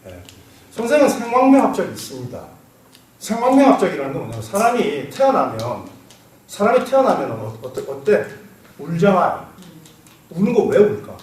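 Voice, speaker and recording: A man giving a classroom lecture on fortune-telling, lively and quizzing his students, laughing now and then. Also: high voice, moderate pace. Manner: animated, asks students questions, laughs. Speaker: saju lecturer. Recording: roomy echo, mic far off, faint noise.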